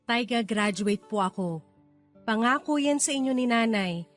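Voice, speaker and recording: A woman's voice: on the high side, expressive, moderate pace, soft background music, close to an everyday voice. A woman playing an earnest, dutiful young Filipino working student and daughter in a radio drama. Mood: earnest, reassuring. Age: young adult.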